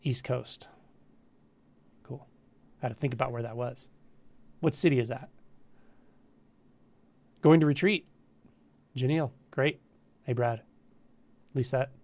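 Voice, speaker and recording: A man with a cold and a stuffy voice, hosting a casual live Q&A stream, greeting viewers in a relaxed, friendly way with frequent ums. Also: medium pitch, unhurried, long pauses, no echo. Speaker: spiritual teacher hosting a live Q&A. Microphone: camera livestream setup.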